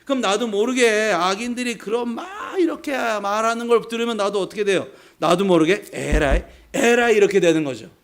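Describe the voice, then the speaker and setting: A male pastor from South Korea delivers a sermon in a fairly high, bright voice. He preaches with emphasis, often asking the congregation a question and answering it himself. Now and then he acts out a short quoted voice. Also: a little fast, few pauses.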